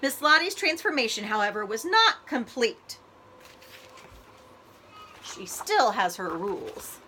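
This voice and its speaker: Female storybook reader, librarian type; bright, expressive, animated delivery, some noise behind her. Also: fairly high pitch. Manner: expressive, deliberate phrasing for children. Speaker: school librarian reading aloud to students. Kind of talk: animated children's storybook read-aloud.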